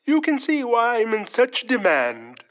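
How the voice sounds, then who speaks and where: A woman's voice: fairly high pitch, wildly swooping pitch, measured pace. A woman playing a polished, self-satisfied fixer of royal scandals in an audio fantasy comedy. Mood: smug. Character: smooth, scheming fixer who cleans up royal scandals. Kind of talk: audio fiction comedy acting.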